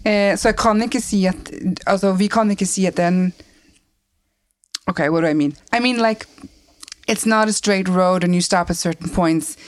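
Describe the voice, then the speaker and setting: This woman's voice sits at a medium pitch in a dry recording. She's a guest on a laid-back podcast, blunt and emphatic, mixing English into her Norwegian within the same sentence.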